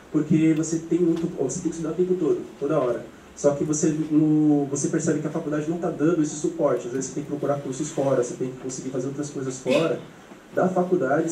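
A man's voice: medium pitch, mellow. A Brazilian man in the audience giving an eager, spontaneous comment. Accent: Brazilian Portuguese. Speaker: audience member. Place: university seminar room. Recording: echoey room from a distance, faint noise.

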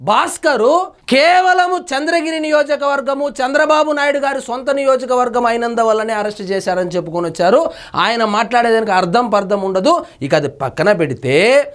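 A political commentator talking over press clips in a sarcastic, scornful way, often addressing the politician directly. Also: medium pitch.

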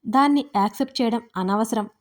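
A woman voicing a harsh, commanding young husband who scolds with sharp questions in an audio storybook. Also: a little high, brisk, lightly acted. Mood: angry, demanding.

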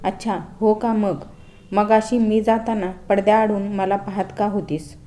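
A confident young man teases his bride-to-be in a spoken storybook, playful and full of self-assurance, read by a woman. His voice comes across mellow and warm rather than sharp. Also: medium pitch, level tone, unhurried, lightly acted. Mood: teasing.

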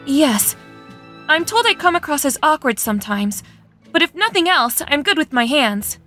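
A woman's voice: high voice, big pitch swings, moderate pace, pushed and bright, faint music behind, heavily acted. A woman voicing an earnest, easily flustered young female warrior in a fan dub of an anime game.

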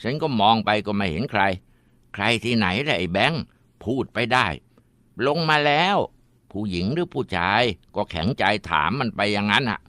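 A man reads out a ghost story in a fairly low voice. The sound is dry and close, with no room around it. He tells it in the first person and voices the family members' words himself. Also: a bit bright, dry recording. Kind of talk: scripted ghost story narration.

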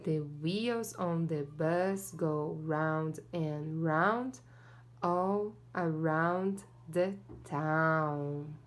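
In a small classroom corner, a young woman teacher reads a picture book aloud to children in front of a camera, singing along in a cheerful, sing-song way. Her voice is low and extremely slow.

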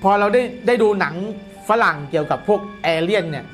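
A middle-aged man with a notably high voice chats casually as a guest commentator. He talks quickly and colloquially, repeating phrases to drive points home, with music behind him. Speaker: guest commentator on a horror show. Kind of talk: casual explanatory studio chat. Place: indoor studio, seated at a desk.

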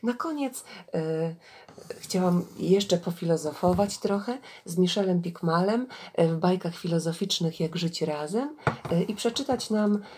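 Woman, low husky voice, slight rasp, gentle animated storyteller reading a fable. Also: a little slow. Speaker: children's reading educator. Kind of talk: informal talk to parents, reading a fable aloud.

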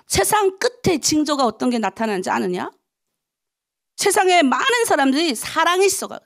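High, gravelly woman pastor preaching. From North Korea. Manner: animated, exhorting, rhetorical questions to the congregation. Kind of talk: dawn prayer sermon.

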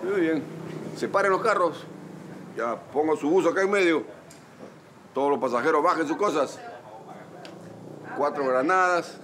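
A man's voice: a little high, measured pace, pauses often, fairly bright tone, a little hiss or hum. A traveling man telling an anecdote casually, acting out quotes with animation. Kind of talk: casual storytelling.

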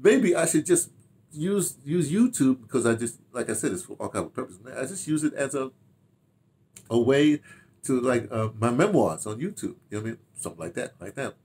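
A man's voice: medium pitch, fairly quick. Older American man, rambling storyteller. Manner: animated, rambling storytelling with repeated phrases and asides. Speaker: audio dramatist and theater director telling his memoirs. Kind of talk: casual reminiscing to camera. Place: small home study, indoors.

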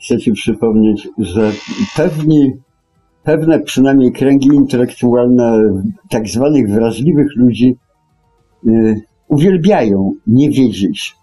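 A man co-hosting a radio talk show, commenting conversationally in a sardonic, deliberate manner. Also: medium pitch, dark tone, husky, soft background music, rough recording.

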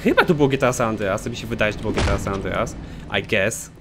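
A man giving excitable let's play commentary, swearing often as he plays. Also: lowish voice, racing, music in the background. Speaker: gaming commentator.

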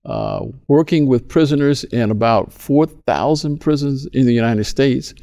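Older man with mellow, dark voice. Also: medium pitch. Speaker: guest. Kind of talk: interview conversation. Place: studio set.

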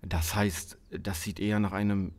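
A man's voice: deep voice, steady tone, moderate pace, lightly acted. An actor playing a worried, angry father of a missing daughter in an audio crime drama, with an agitated manner. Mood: shaken, worried. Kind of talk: German audio drama acting.

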